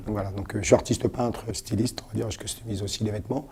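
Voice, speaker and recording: Man with a low, dark voice talking fast. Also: steady tone, slight background noise. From Cameroon. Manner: hesitant, many fillers and restarts. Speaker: guest artist. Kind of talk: casual interview talk. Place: web TV studio.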